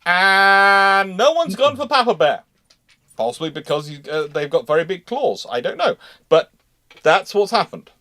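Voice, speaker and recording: A man's voice: high-pitched, big pitch swings, moderate pace, bright, forceful tone. A man hosting a casual live question-and-answer discussion, explaining things with playful asides. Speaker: host answering viewer questions.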